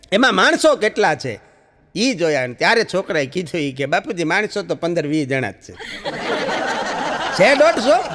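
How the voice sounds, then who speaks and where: Comedian guy doing the voices in his jokes, high bouncy voice, lots of hall echo. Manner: lively, acts out the dialogue. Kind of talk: stage joke telling.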